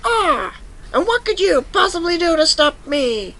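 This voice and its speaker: A woman's voice: extremely high pitch, very animated, a little slow, a bit bright, exaggerated voice. A woman playing an evil, vain, scheming princess with a witch's head, gloating theatrically in an audio drama. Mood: menacing.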